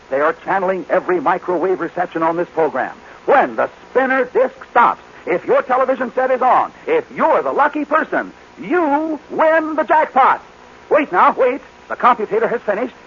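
An actor playing an excitable American game show announcer with grandiose, emphatic delivery on a 1950s radio drama. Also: male voice, sits high, full character voice. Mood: building suspense, then thrilled. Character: showy, excitable male giveaway show announcer. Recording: hissy, dull 1950s radio recording.

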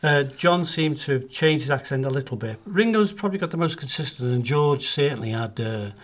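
A man's voice: medium pitch, animated, a little fast. A man from Liverpool with a Scouse accent, co-hosting a podcast in a jokey, casual way with many ums. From Liverpool, England. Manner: jokey, self-deprecating, hesitant with ums. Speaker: podcast co-host. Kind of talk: casual chat.

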